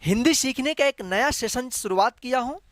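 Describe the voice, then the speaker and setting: An animated man with an extremely high pitch teaches a slow online Hindi lesson at a moderate pace. He patiently repeats every letter several times and keeps slipping in "jo hai," and his slightly bright voice is recorded dry.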